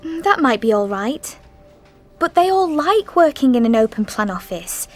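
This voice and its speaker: High-voiced woman in a scripted dialogue. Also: very animated, normal speed, soft background music. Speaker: dialogue actor in course audio. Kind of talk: scripted role-play dialogue.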